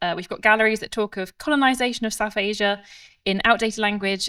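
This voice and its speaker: This woman has an ordinary speaking voice, fairly high in pitch with ordinary pitch variation, and talks at a fairly quick pace in a very clean recording with a silent background. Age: 30s. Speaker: heritage manager. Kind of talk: conference presentation.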